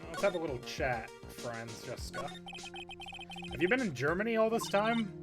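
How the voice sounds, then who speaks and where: A man's voice: on the high side, sing-song, normal speed, over music. A man voicing a young male defense attorney in a dry, understated reading. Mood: wry.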